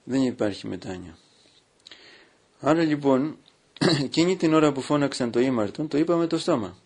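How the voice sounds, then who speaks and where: Male priest, sermon delivery, gravelly voice, reads and comments with emphatic pauses. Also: medium pitch, lively intonation, a little mellow. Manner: reads aloud from a book, breaking off to comment.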